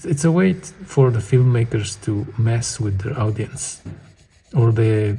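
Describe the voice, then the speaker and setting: A man with a non-native accent speaks at a fairly slow pace. His intonation is lively. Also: medium pitch for a man, big swings in loudness. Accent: foreign accent, self-noted. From Poland. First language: Polish. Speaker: artist and vlogger. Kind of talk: casual monologue while drawing. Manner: relaxed, rambling.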